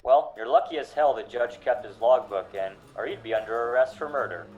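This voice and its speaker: A man's voice: mid-range voice, a little fast, darkish tone, soft background music, lightly acted. Man acting a plain-spoken cop, muffled recording. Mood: matter-of-fact. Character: plain-spoken male police colleague of a detective. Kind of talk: radio drama acting.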